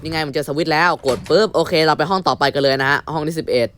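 A young man commentating a horror game playthrough, switching between a mock-polite announcer tone and crude, shouty outbursts. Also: a little high, racing, a little hiss or hum. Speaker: gamer commentating his playthrough. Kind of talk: casual gameplay commentary.

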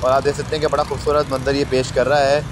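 Speaking fast with little pitch movement in a mid-range voice, this Pakistani Urdu-accented sports journalist narrates outdoor footage for his vlog. He's casual and eager, frequently calling viewers "janab," with background noise throughout.

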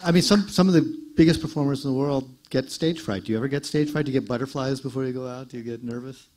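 A man's voice: medium pitch, fast, background noise. A man moderating an onstage interview, asking casual, direct questions into a handheld microphone. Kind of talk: moderating audience Q&A. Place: small theater stage before a live audience.

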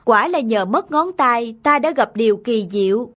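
Give me an imperious high-voiced tribal chief. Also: female voice, animated, moderate pace, a bit bright. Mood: reflective. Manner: imperious, dramatic. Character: proud, hot-tempered middle-aged male tribal chief. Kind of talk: children's folk-tale cartoon dubbing. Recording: studio voice over background music.

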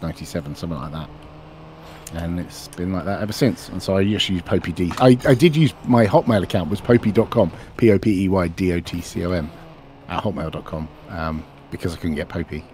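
A man's voice: low voice, fairly quick, a little mellow, a little hiss or hum. A man chatting casually while driving, telling a rambling, self-deprecating story. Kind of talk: casual chat. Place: in a car, driving.

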